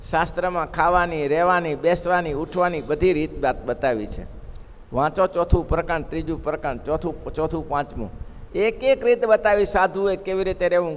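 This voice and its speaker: A man preaches a devotional sermon in a fairly high voice, hammering his points home with repeated phrases. He keeps turning to the audience with rhetorical questions. The sound rings with the long reverb of a large hall. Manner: emphatic, repetitive preaching cadence. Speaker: preacher giving scripture discourse.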